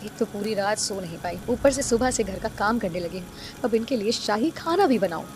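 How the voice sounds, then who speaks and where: A woman voicing a young daughter-in-law in an animated story, weary and complaining. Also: medium pitch, a little fast, slight background noise, natural voice. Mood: fretful. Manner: complaining, fretful.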